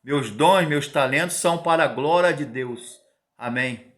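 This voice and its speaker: A man's voice: fairly high pitch, measured pace. A man in his fifties giving an informal Bible teaching, emphatic and repetitive, often digressing and adding tag questions. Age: 50s.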